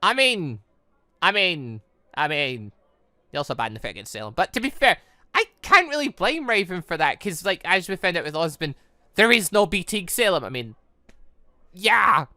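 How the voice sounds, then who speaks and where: Male gaming host, lively swooping delivery, slightly high voice, close dry sound, trips over words. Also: moderate pace, dry recording. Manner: stumbles over words and corrects himself. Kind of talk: visual novel read-aloud with off-the-cuff commentary.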